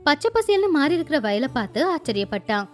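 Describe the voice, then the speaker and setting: A woman narrating a children's moral story in a lively, sing-song storytelling manner. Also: high-pitched, fairly quick. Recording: faint music behind.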